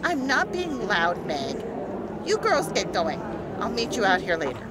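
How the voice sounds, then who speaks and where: A woman's voice: mid-range voice, huge pitch swings, measured pace, heavy background noise. An actress playing a critical, exacting middle-aged mother of a teenager in an audio drama. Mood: nagging. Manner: nagging, exacting. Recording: loud busy outdoor ambience.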